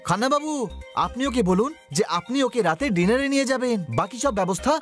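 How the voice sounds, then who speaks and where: A sharp young cartoon helper who talks quickly and persuasively. His voice is high and brisk. Music plays underneath. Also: expressive. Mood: earnest. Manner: quick and persuasive, laying out the case. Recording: cartoon dub over music.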